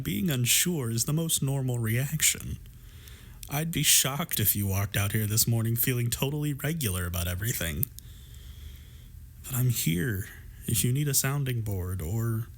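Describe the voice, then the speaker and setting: A man acting in an intimate audio drama as a warm, teasing gay best friend, speaking in a playful, affectionate and reassuring way. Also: medium pitch. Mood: supportive, reassuring.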